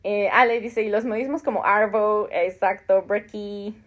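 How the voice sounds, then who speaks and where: A Mexican podcast host in her thirties speaks at a measured pace in a medium-pitched voice with fairly even intonation, over dull audio. She keeps the chat casual, reading listener comments aloud, answering them, and laughing frequently.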